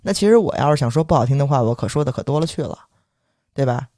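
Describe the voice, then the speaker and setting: A young adult man co-hosting a podcast tells a story in casual chat, with heavy erhua and a quick, lively delivery. His voice is medium-pitched, with no echo.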